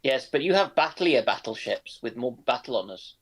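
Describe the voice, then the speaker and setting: A man's voice: medium pitch, lively intonation, moderate pace. A man commenting in a casual panel chat.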